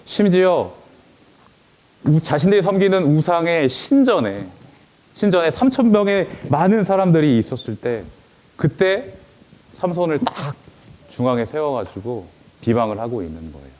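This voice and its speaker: Man pastor, kids' sermon, very lively storytelling, slightly high voice. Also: moderate pace. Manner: animated storytelling, addresses children. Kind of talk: children's sermon.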